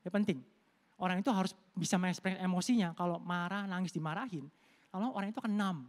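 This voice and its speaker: A man's voice: sits high, fairly even intonation, quick pace. A middle-aged man preaching a Sunday sermon at a church service. He talks in a conversational, storytelling way, addresses the congregation directly and slips English words into his speech. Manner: conversational preaching, addresses listeners as "saudara", tells personal stories. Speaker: pastor.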